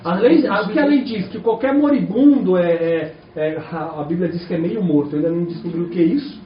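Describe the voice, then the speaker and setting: Animated and a little fast, a Brazilian preacher with a high voice and Brazilian Portuguese accent peppers his congregation with rhetorical questions. The church-hall recording is echoey, distant and dull, carrying a little hiss or hum.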